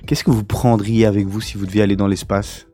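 A man's voice: on the low side, little pitch movement, fairly quick, warm tone, soft background music. A man interviewing a guest informally, putting his questions in a casual, repeating way.

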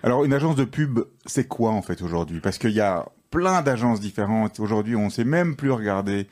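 A man's voice: fairly low pitch, animated, moderate pace, darkish tone. Casual man asking interview questions. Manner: casual, repeats and restarts questions. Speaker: interview host. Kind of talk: conversational interview.

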